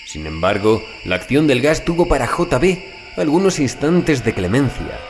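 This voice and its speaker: A man narrating a horror audiobook in a dramatic, solemn and deliberate literary manner. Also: lowish voice. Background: background music.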